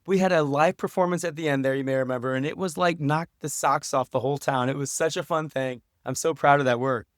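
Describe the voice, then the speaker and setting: A man's voice: a little high, brisk, few pauses, no echo, studio quality. A man speaking as a podcast guest, giving articulate, informal answers in a conversational way. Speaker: podcast guest, writer and English professor.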